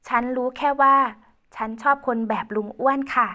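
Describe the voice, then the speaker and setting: A woman's voice: sits high, steady tone, normal speed, bright, forceful tone, pitched above the performer's own voice. A woman doing a bold, teasing young tomboy. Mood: affectionate. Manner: teasing and direct.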